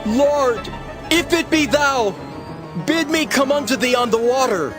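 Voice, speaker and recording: A man's voice: extremely high pitch, a little slow, over music. A man playing a fearful, earnest disciple in a dramatized scripture reading. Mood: urgent pleading.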